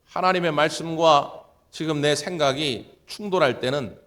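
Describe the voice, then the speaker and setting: Emphatic preaching man, fairly high voice. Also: normal speed, a bit bright. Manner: emphatic preaching with repeated phrases and sudden rises in pitch and volume. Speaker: pastor. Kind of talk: sermon. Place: church sanctuary.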